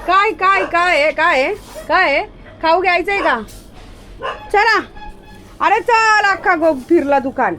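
A woman's voice: extremely high pitch, unhurried, pauses often, bright, forceful tone, soft background music. A woman, talking to her pet dog outdoors in a coaxing, repetitive, sing-song way. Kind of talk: casual coaxing talk to a dog.

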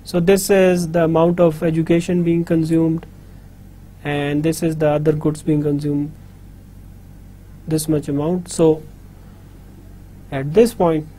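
A man's voice: a little high, dark tone, slight background noise. A middle-aged man with a South Asian accent, a native Urdu speaker, giving a lecture as he draws a diagram, somewhat hesitant in delivery. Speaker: university lecturer. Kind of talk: lecture explaining a diagram while drawing. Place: studio, indoors.

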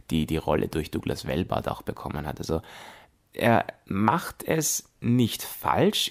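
A man with an Austrian accent giving a spoken review as a podcast reviewer, with emphatic, deliberate phrasing. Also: medium pitch. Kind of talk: spoken audio drama review.

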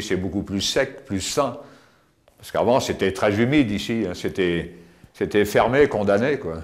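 An older man with a lowish voice gives a casual spoken tour of his cave home, pausing often and full of fillers and restarts. A camera mic records him as he moves through stone cave rooms and outdoors by cliffs.

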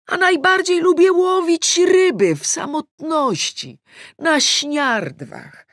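A woman's voice: very high voice, lively intonation, takes it slowly, no echo, clean studio sound, pitched above the performer's own voice, full character voice. A woman voicing an exasperated, self-pitying male editor-in-chief in an audiobook, ranting emphatically. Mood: plaintive ranting. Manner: emphatic, ranting in numbered points. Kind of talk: audiobook character acting.

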